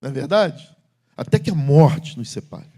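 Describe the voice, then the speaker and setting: A middle-aged man preaching a sermon as pastor in a church, swinging between loud emphatic calls and low confiding talk to the congregation. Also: animated, moderate pace. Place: church sanctuary.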